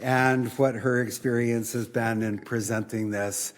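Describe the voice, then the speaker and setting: A man hosting an event, giving a semi-formal introduction of a speaker in a halting, deliberate manner. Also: mid-range voice, steady tone.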